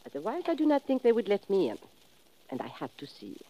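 An actress playing a poised, seductive foreign newspaper reporter, speaking formally and deliberately in a 1950s radio drama. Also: female voice, mid-range voice, wildly swooping pitch, dark tone. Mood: secretive, composed. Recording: muffled old radio recording.

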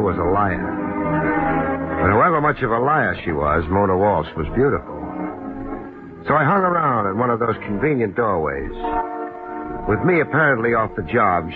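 A vintage radio detective drama with music behind it. a laid-back, wisecracking private eye with a low voice and lively swings of tone. He is tough and dry, telling his own story. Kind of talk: 1950s radio detective drama acting, narration and dialogue. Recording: tinny old radio broadcast with music.

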